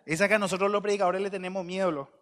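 Male preacher; high, sharp-toned voice; conversational, humorous storytelling. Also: fairly even intonation, rapid-fire. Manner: joking, conversational, bursts of loud emphasis.

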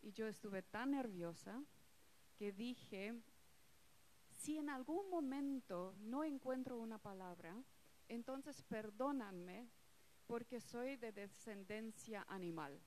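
A middle-aged woman whose first language is German, giving a counseling talk to a group in careful, non-native speech with pauses and fillers. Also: on the high side, expressive, darkish tone, slight background noise, poor audio. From Paraguay.

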